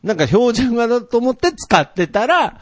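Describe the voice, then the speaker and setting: A man from Nagoya co-hosting a casual radio talk show, polite and chatty, laughing often and trailing off softly. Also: very high-pitched, sing-song, moderate pace, dry recording. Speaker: radio personality.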